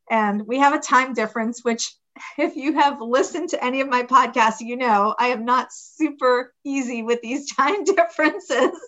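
A woman's voice: on the high side, a bit bright. A woman hosting a podcast, enthusiastic and bubbly as she introduces her guest. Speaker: podcast host. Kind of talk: podcast interview.

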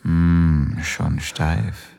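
A dominant, very deep-voiced lover. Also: male voice, level tone, drawn-out words, gravelly, warm tone, slight background noise, full character voice. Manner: commanding, low murmured whispers. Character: dominant male lover, an adult professor. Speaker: voice actor in an erotic audio drama. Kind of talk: intimate audio drama acting.

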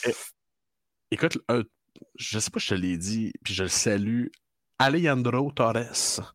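A man's voice: mid-range voice, animated, measured pace, no room sound, clean studio sound. A man with a Québécois accent co-hosting a podcast in casual chat. He tells rambling stories full of fillers. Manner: rambling storyteller with lots of fillers. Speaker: podcast co-host.

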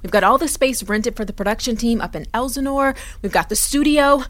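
Woman doing a calm no-nonsense production manager, matter-of-fact, steadying everyone. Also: fairly high pitch, fairly quick, lightly acted. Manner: practical, calming, matter-of-fact. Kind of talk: audio drama acting.

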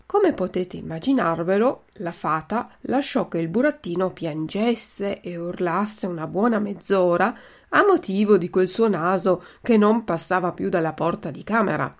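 Expressive woman storyteller with vocal fry. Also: fairly low pitch. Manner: expressive, addresses listeners directly. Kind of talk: audiobook reading of a fairy tale.

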